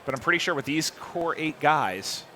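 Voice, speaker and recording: A male esports commentator chatting casually between matches, quick and chatty, often correcting himself mid-sentence. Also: fairly high pitch, animated, pushed and bright. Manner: fast, chatty, self-correcting.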